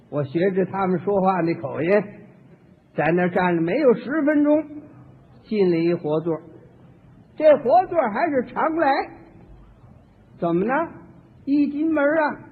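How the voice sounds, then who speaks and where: Guy doing solo comic storytelling, high lively voice, husky, sounds like an old tinny radio tape in a big hall. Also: unhurried, long pauses. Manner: lively storyteller, acts out both sides of each exchange. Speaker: comic performer. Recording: tinny archival radio recording with long hall reverb.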